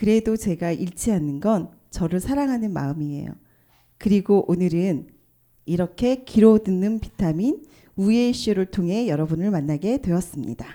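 On a very clean recording with a silent background, a woman talks at a moderate pace and medium pitch, with lively intonation and a dark, mellow tone. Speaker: podcast co-host and author. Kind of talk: casual banter on stage. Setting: stage with audience. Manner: playful, self-mocking.

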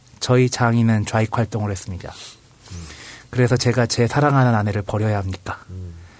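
The pace of the speech is fairly quick. The background stays quiet. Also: man, medium pitch for a man. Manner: animated.

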